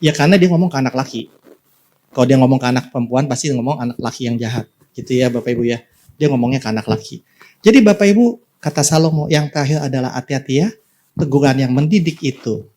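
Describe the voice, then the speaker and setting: A man's voice: mid-range voice, dark tone, slight background noise. A male pastor preaching a sermon in a church, in a casual, slangy way, often speaking straight to the congregation. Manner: casual and slangy, repeatedly addressing the congregation directly.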